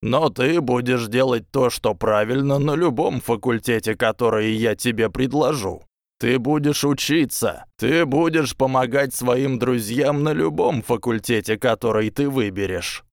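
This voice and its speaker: A man voicing a calm, wise magical talking hat in an audiobook. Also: medium pitch, measured pace, few pauses, no room sound, studio quality, voice pushed up, natural voice. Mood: calm, reassuring. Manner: calm, reassuring.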